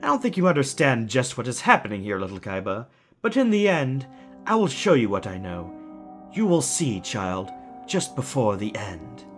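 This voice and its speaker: Male actor as unhinged gentleman villain, highly animated swoops, mock-sweet formality, menacing, audio drama with music behind. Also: normal speed, close to an everyday voice. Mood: silky menace. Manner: mocking, formal, savoring his words. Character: deranged, genteel villain captor, theatrically sweet and menacing.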